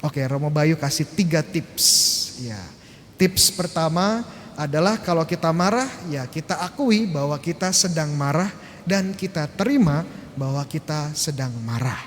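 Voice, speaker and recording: Priest man preaching, kinda high voice, chatty, long church echo. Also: animated, unhurried. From Indonesia. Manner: conversational, asks and answers his own questions; acts out short exchanges with parishioners. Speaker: Catholic priest. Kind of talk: sermon. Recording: church reverb, faint rumble.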